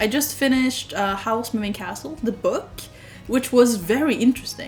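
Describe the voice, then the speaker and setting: A woman speaks with a Norwegian accent at a fairly high pitch. Music plays in the background. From Norway. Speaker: YouTuber. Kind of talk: casual video diary. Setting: at home. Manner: casual, hesitant with fillers.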